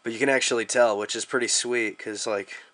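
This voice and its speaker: A man's voice: mid-range voice, fairly even intonation, brisk, pushed and bright. A young American man giving a casual, slangy, joking app demo as a video reviewer.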